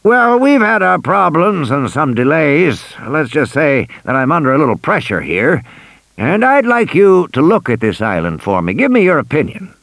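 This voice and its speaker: A man's voice: a little high, very animated, moderate pace, vocal fry, fairly bright tone, no echo, pitched above the performer's own voice, exaggerated voice. A man voicing a cheery, insistent old male tycoon who coaxes and presses on the phone. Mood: brisk. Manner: insistent, persuasive, coaxing.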